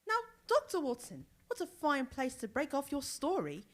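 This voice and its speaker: A woman playing an eager, excitable lady hanging on a story in a radio mystery play. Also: high voice, normal speed. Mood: eager, scolding. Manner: animated, eager. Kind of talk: radio mystery theatre acting.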